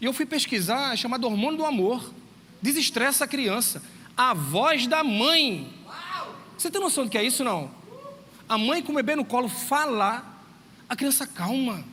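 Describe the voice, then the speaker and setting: A man preaches to his congregation in a high, bright, ringing voice, acting out little scenes of dialogue and calling out to his listeners. His voice carries a long reverb through the church hall. Faint noise sits underneath. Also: brisk. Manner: animated storytelling, acting out dialogue, addressing listeners directly. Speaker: pastor and schoolteacher. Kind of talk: sermon to a congregation. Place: church sanctuary.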